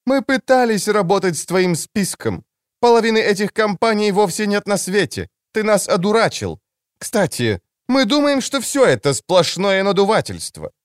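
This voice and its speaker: A man doing a shrill, snappish woman. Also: sing-song, moderate pace, no room sound, clean studio sound. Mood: exasperated. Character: sharp-tongued, irritable grown woman.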